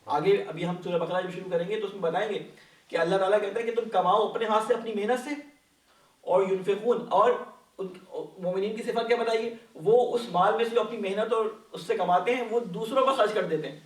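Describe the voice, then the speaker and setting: In an echoey mosque hall, a man teaches a Quran lesson, patiently explaining and posing questions to the class that he then answers. His voice sits high with fairly even intonation, captured from a distance off-mic.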